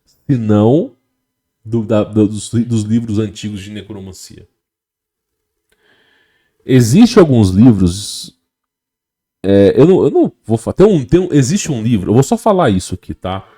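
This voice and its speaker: Brazilian-accented male vlogger, dark mellow tone, casual and halting, conspiratorial musing. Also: lowish voice, expressive. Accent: Brazilian Portuguese. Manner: hesitant, repeats words, frequent "tá?" tag questions. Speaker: channel host. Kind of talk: casual monologue to camera.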